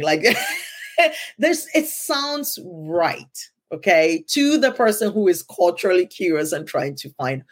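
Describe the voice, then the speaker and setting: This middle-aged podcast host has a Ghanaian accent and a fairly low, slightly rough voice. She leads a casual conversation earnestly, frequently checking in with "right?".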